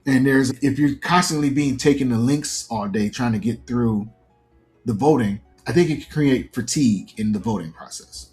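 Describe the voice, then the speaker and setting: A man's voice: mid-range voice, normal speed, darkish tone, soft background music. A man in his early forties giving earnest, reflective, detailed answers as a guest in a conversational interview. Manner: earnest, reflective, explains at length. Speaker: interview guest, fiction podcast creator.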